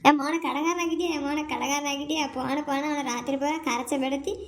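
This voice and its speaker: A woman plays a nagging village mother-in-law, scolding in a high, rapid voice. She fires off question after question at her son and daughter-in-law in this cartoon comedy, always hectoring. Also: fairly even intonation. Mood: outraged.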